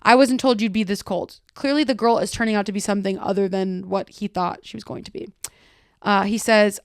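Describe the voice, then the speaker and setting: A woman's voice: mid-range voice, smooth, no room sound, studio quality. A woman hosting a casual solo podcast, chatty and loose, talking through song lyrics line by line with lots of "like" and "kinda". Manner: full of filler words like "like" and "kinda". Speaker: podcast host.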